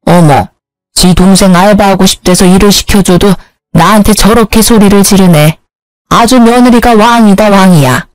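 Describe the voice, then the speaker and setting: A woman voicing a bossy older mother-in-law who scolds slowly in a storybook narration. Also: mid-range voice, dry recording, lightly acted. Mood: indignant.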